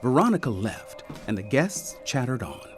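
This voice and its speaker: A man's voice: medium pitch, very animated, normal speed, faint music behind, natural voice. A man narrating a scripted audio drama as an arch, dramatic storyteller.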